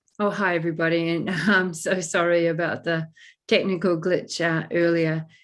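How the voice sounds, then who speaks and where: A woman with a New Zealand accent talks at a moderate pace in a fairly low pitch. Her intonation stays flat and monotone. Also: very even loudness. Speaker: law professor. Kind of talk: panel presentation.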